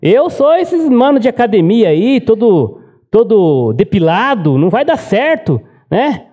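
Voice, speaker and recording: A nervous young Jacob pleads in a raised, high voice, as a preacher briefly puts him on. The tone is slightly mellow, with casual slangy phrasing in a retold Bible story. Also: male voice, very animated, measured pace, heavily acted. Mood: worried.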